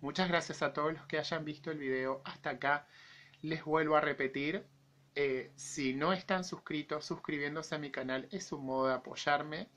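A man's voice: fairly high pitch, fairly even intonation, moderate pace, fairly bright tone. A man in his forties with an Argentine accent, giving his opinion to camera as a vlogger, his voice affected by an infection he is recovering from. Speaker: YouTube vlogger. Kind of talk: personal opinion monologue to camera.

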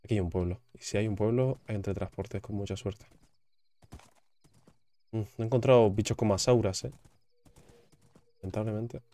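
A man's voice: lowish voice, fairly even intonation, moderate pace, pauses often, dark tone, no echo. Chatty young man gaming. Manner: chatty, repeats words, jokey asides. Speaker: gaming YouTuber. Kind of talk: casual gameplay commentary.

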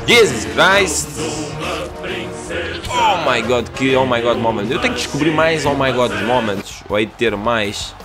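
A young Portuguese man commentating a video game in an excitable, loud way, swearing and mixing in English phrases, with faint music behind him. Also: mid-range voice, moderate pace, hardly any pauses. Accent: European Portuguese. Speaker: gaming youtuber.

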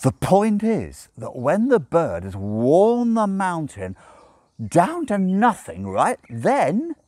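A man's voice: high voice, wildly swooping pitch, slow, a little mellow, no room sound, studio quality, pitched above the performer's own voice, heavily acted. A man voicing a sly, drunk male demon in a storybook reading, rambling and insistent. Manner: rambling, emphatic, persistent. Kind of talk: dramatised book reading. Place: outdoors in a garden.

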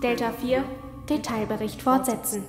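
A woman acts as a female coordinating machine in a sci-fi radio play. It gives terse, formal commands in a highish voice. There is strong reverb and loud music. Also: fairly even intonation, moderate pace, close to an everyday voice. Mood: terse, commanding. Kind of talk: science fiction radio play acting.

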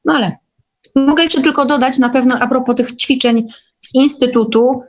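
Higher-pitched woman, chatting emphatically. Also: steady tone, normal speed. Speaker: guest on an online meeting. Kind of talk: casual chat.

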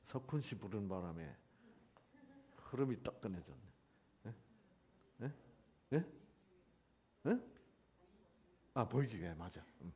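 A man teaching a Bible class, quizzing his listeners with constant prompting questions and swinging between dramatic outbursts and soft asides. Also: lowish voice, lively intonation, slow, long pauses, a little hiss or hum. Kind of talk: interactive Bible lecture to a class.

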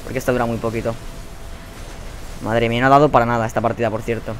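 Excitable Spanish-accented gamer man. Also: mid-range voice, fast talker, a little hiss or hum. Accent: Spain Spanish. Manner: excitable and profane, bursting into shouts. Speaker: gaming YouTuber. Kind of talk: live gameplay commentary.

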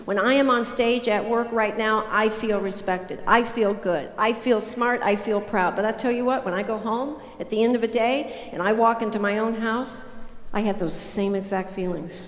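A woman's voice: a little high, normal speed. An older woman giving a motivational keynote on a conference stage with a handheld mic, with a punchy, emphatic delivery aimed at the audience. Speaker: keynote speaker. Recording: roomy hall with long reverb.

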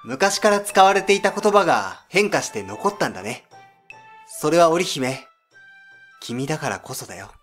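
A man plays a devoted young celestial lover in an animated storybook tale. He speaks politely and earnestly, with lively rises and falls, over faint music. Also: a little high, normal speed. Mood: tender, earnest. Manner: polite, earnest, gentle wording. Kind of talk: scripted educational story dialogue.

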